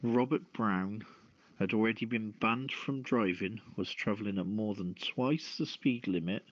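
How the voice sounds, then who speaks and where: A man hosting a radio call-in show, reading news and opening discussion in a halting delivery with stumbles. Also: fairly low pitch. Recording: roomy, dull lo-fi radio-style audio.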